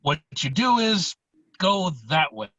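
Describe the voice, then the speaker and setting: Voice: medium pitch, sing-song, slow pace, pushed and bright, dry recording, exaggerated voice. A performer voicing a laid-back, spaced-out young slacker guy in an amateur script read, talking in slangy phrases. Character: wasted, laid-back slacker ski buddy, young man. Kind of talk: amateur virtual table read of a film script. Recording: dull, lo-fi online call.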